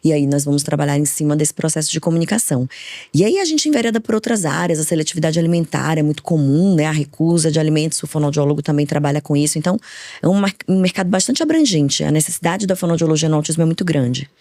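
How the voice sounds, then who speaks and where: A woman in her forties, a speech therapist raised in Bahia, telling lively stories as a podcast guest. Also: sits low, no echo, clean studio sound. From Brazil, from Minas Gerais, raised in Bahia. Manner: fast, lively storytelling. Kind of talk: podcast interview.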